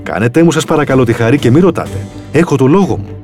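A man voicing a sly, clever male cat in boots in a storybook reading, pleading and eager in a higher voice than his narration. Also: lively intonation, darkish tone, faint music behind, natural voice.

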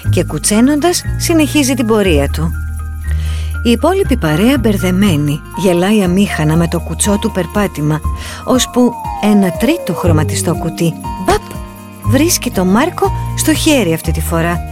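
Children's story narrator, a woman with a lively expressive read over soft music. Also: medium pitch. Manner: expressive, animated reading.

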